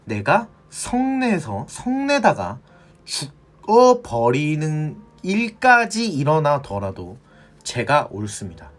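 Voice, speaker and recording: A man's voice: fairly high pitch, huge pitch swings, takes it slowly, full character voice. A man voicing a sulky, hot-tempered prophet who bursts out petulantly during a Bible story. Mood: defiant. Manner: huffy, petulant outbursts.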